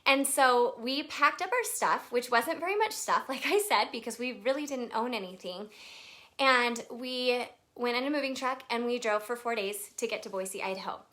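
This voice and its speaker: Young woman from texas chatting on a live stream, kinda high bright voice, lots of um and like. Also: normal speed. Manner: chatty, with many fillers, greeting viewers mid-story. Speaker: makeup brand artist hosting a live video. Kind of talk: casual live-stream storytelling.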